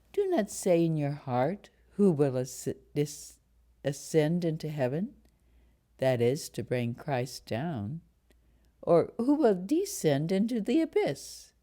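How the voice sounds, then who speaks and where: A woman reads scripture solemnly as a lay reader. Her voice is low and soft-edged, and she takes the text very slowly, phrase by measured phrase.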